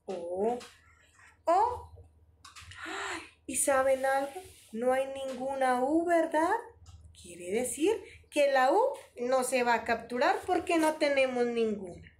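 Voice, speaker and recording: A woman leads a preschool lesson in a high, animated voice that swoops up and down. She talks slowly and with encouragement, and a faint hiss sits behind her. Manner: sing-song, exaggerated, encouraging. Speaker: preschool teacher.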